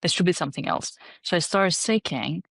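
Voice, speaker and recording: A woman's voice: lowish voice, animated, a little fast, gravelly, no room sound. A woman from Greece, a guest in an interview, speaking in a reflective, thoughtful way. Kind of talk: conversational interview.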